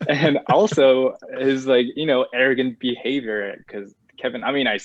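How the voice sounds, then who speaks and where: A man's voice: mid-range voice, fairly even intonation, normal speed, dry recording. A man whose first language is Korean, an actor in a casual interview, who speaks hesitantly and searches for words. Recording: dull lo-fi dry audio.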